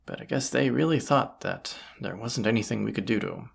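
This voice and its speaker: A performer voices a roguish bandit leader in a fantasy audio roleplay, muttering to the listener in a folksy, sardonic way that is grumbling yet confident. The voice is mid-range, creaky and husky, a little fast, and the mood comes across as irritated and grudging.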